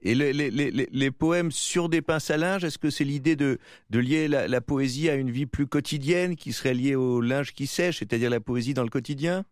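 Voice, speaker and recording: A male radio host with a medium-pitched voice. He interviews playfully and without a script, drifting into whimsical, mock-poetic musing with a teasing touch. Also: moderate pace, few pauses, no echo, clean studio sound.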